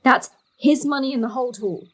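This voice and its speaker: A young woman's high voice as an earnest daughter in a family drama. She is practical and direct, speaking naturally to her older relatives. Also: normal speed. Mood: alarmed, warning.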